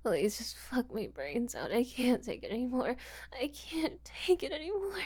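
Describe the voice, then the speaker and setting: A woman playing a desperate, submissive woman in an adult audio drama, pleading haltingly with breathy, whispered words. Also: a little high, huge pitch swings, a little mellow, exaggerated voice.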